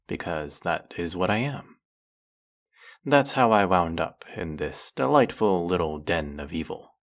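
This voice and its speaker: A man acts out a brooding vampire, centuries old, who hunts other vampires. His voice is very deep and thick with gravelly fry. He speaks slowly and deliberately, leaving dramatic pauses as in an intimate audio drama monologue. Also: heavily acted. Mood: wry, proud. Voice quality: gravelly, low. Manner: slow, measured, dramatic pauses.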